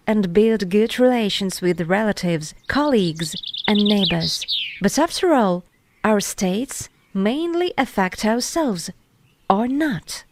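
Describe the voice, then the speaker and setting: A woman reading a scripted spiritual voice-over in a measured, deliberate way, phrase by phrase with pauses. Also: medium pitch, a little mellow, no echo. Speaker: narrator reading an article. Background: music.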